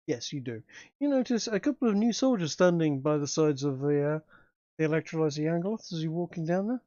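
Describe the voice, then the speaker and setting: A man's voice: a little high, expressive, mellow, no room sound, highs cut off. A man narrating a tabletop game as game master, describing scenes with frequent fillers and restarts. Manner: halting, many restarts and fillers.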